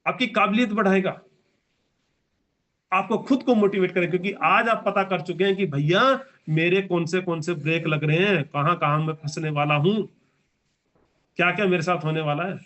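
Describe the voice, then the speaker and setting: High-voiced man giving a fired-up pep talk. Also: steady tone, normal speed, a bit bright. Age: 40s. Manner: emphatic, repetitive, exhorting. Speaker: business trainer. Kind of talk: motivational training speech.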